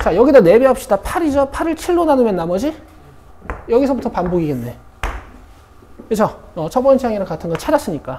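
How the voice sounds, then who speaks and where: The pace is very fast, broken by long, frequent pauses. Background noise is noticeable. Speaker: math teacher. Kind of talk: lecture. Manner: soft, gentle today.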